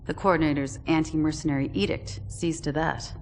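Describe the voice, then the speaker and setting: A woman's voice: sits low, fairly even intonation, brisk, a little mellow, big-room sound, soft background music. A woman playing a composed, matter-of-fact military officer giving a briefing in a video game cutscene. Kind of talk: dramatic game cutscene acting.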